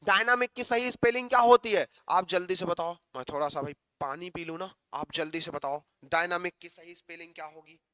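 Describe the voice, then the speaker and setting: A man teaching an online exam-prep English lesson, coaxing students to answer quickly and reading the options out slowly. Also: high voice, bright, forceful tone, smooth, no room sound. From Northeast India.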